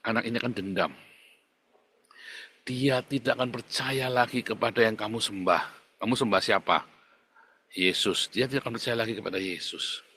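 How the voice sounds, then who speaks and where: A male pastor preaching a sermon with emphatic delivery, often addressing listeners as brothers and sisters, swinging between loud outbursts and low, quiet lines. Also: normal speed, long pauses, a little hiss or hum.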